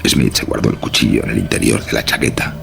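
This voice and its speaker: Super deep croaky guy narrating a horror tale, solemn, music under it. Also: steady tone, quick pace. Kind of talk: scripted horror story narration.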